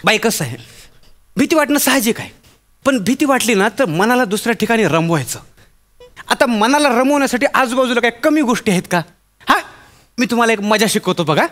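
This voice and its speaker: A man's voice: extremely high pitch, animated, a little fast, fairly bright tone. A man with a Marathi accent performing a stage comedy sketch, chatty and playful, breaking into rhyming sing-song bits.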